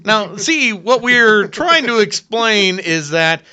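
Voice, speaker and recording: A man co-hosting a podcast in casual chat, with sarcastic wisecracks and quick reactions. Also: sits high, lively intonation, crowd noise. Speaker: podcast co-host. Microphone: podcast microphone, wearing headphones.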